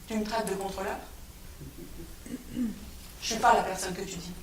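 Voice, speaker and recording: A woman reading the lines of a tense, defensive man in a live reading, in a low guarded tone, recorded from a distance in a roomy space. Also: fairly even intonation, a little slow, a little hiss or hum, lightly acted.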